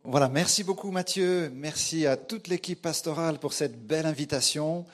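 A French guest pastor and church movement leader preaches a sermon to a congregation, speaking at normal speed in a fairly high-pitched voice. His delivery is conversational and hesitant, and he often addresses listeners directly.

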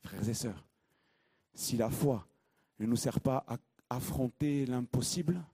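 A man preaching a sermon with a warm, dark and slightly husky voice. He leans hard on his key phrases and repeats them, rising to loud bursts and dropping to hushed lines. The sound is dry and close. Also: mid-range voice, slow, no echo. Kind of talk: sermon with Bible reading.

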